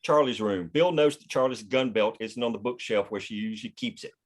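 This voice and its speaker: A man's voice: lowish voice, fairly quick. A man reading scene headings and action lines as the narrator of a screenplay. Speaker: stage-direction reader.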